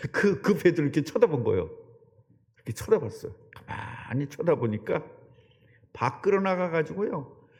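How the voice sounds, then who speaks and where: A middle-aged male pastor preaches in an animated, conversational way, often questioning the congregation. His voice sits a little high and moves widely in pitch. A long reverb carries through the church sanctuary. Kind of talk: sermon.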